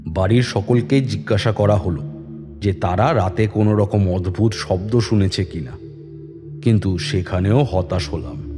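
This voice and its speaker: A man narrating a detective story in the first person and voicing the police inspector with a measured, authoritative manner. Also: lowish voice. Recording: long reverb with music bed.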